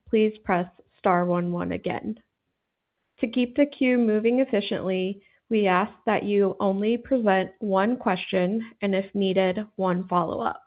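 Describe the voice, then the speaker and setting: A woman working as a conference call operator, giving scripted procedural instructions in a polite, formal way. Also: mid-range voice. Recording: narrow tinny phone line.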